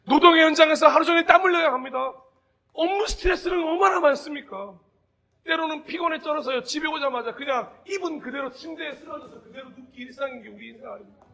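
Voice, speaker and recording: A man pastor giving a Sunday sermon, talking to the congregation conversationally, asking them direct questions and bursting into shouted emphasis. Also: very high voice, quick pace, creaky.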